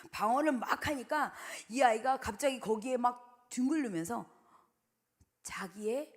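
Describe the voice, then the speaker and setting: A middle-aged woman missionary preaching a sermon, telling stories in a lively way and acting out the quotes. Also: mid-range voice. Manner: animated storytelling, acts out quotes.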